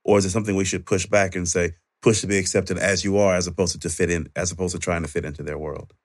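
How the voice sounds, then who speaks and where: A man with an African American accent speaks in a fairly low voice as a panel moderator. He lays out points conversationally, step by step, and frames them as questions for the group. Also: flat delivery, fast talker, slight background noise. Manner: explains step by step, checks with "right?".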